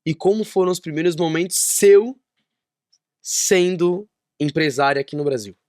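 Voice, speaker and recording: A man's voice: a little high, normal speed, a little mellow, no echo, studio quality. Man hosting an encouraging podcast chat. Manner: encouraging, finishes the guest's sentences. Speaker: podcast host. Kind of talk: casual interview chat.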